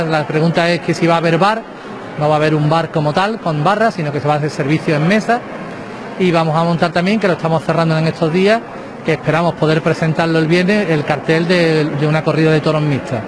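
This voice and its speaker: Middle-aged mayor listing plans. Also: male voice, a little high, noisy background. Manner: brisk, listing plans point by point. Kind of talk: interview answers. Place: inside a small chapel by the altar. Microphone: handheld reporter mic. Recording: clear chapel ambience behind.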